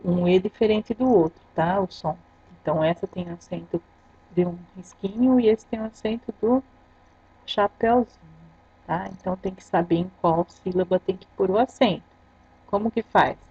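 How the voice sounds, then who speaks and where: A Brazilian woman teacher recording a grammar lesson for her students, explaining step by step and checking in with a quick "tá?" after each point. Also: medium pitch, warm tone, slightly rough. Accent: Brazilian Portuguese. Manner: patient, explains step by step, ends phrases with "tá?". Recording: dull lo-fi sound.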